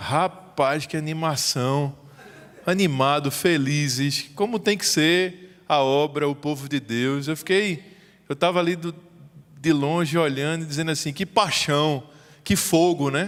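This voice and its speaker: A man with a northeastern Brazilian accent, fairly high in pitch, at a fairly slow pace with ordinary pitch variation. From Northeast Brazil, Recife. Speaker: pastor. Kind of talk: sermon.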